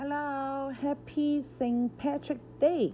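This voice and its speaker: Dark, mellow tone from a woman in a Chinese accent, over light background noise. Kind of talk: sales pitch. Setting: video. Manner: animated. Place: shop. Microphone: phone near.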